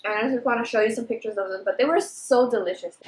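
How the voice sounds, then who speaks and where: A woman's voice: on the high side, quick pace, a little hiss or hum. A young woman chatting casually in an eating vlog, bubbly and talkative, filling her speech with "like". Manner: bubbly, chatty, says "like" often. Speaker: vlogger. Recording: echoey room.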